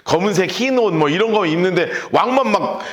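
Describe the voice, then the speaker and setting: A pastor leading a lively Bible study lecture, acting out scenes and shouting the quotes. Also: male voice, sits high, a little fast, echoey room. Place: church hall.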